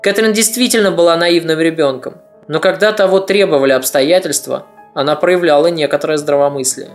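A podcast narrator giving a scripted historical narration, measured storytelling with ironic asides. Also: medium pitch.

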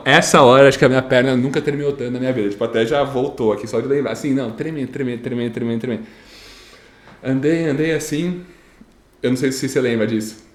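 A young Brazilian man telling a story in casual chat, animated and repeating himself, with a slight stammer. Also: mid-range voice, echoey room. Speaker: storyteller recounting his graduation speech.

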